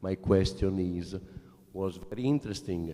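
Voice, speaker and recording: Noticeable background noise accompanies a man's very deep, low voice. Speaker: sports official. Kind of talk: audience question at conference. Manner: halting; loud.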